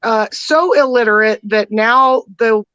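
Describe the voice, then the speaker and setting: A woman's voice: fairly high pitch, measured pace, a bit bright, smooth, no echo. A woman co-hosting a casual livestream chat, speaking emphatically and indignantly over a dull call line. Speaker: co-host.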